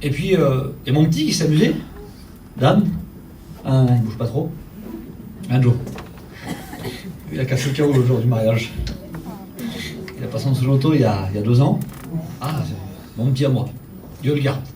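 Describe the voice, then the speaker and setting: A man's voice: mid-range voice, moderate pace, long pauses, noisy background. A middle-aged man preaching a sermon, telling a personal story to the congregation and speaking to them directly, in a church. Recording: echoey church from far off. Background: faint ambience, congregation saying amen.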